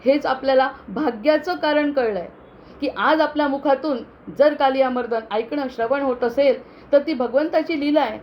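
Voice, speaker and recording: High-voiced woman giving devotional discourse. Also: muffled recording, slight background noise. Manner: slow measured chanting of Sanskrit verses; explanatory, self-correcting talk with fillers. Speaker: spiritual discourse speaker. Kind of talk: devotional chanting then spiritual discourse.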